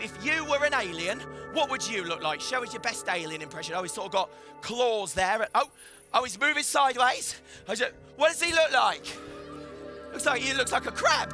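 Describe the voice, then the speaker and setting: A man presenting a live children's science show with an excitable, theatrical manner, urging the audience to cheer. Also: extremely high pitch, vocal fry. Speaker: stage presenter. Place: live event hall with an audience. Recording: music playing behind.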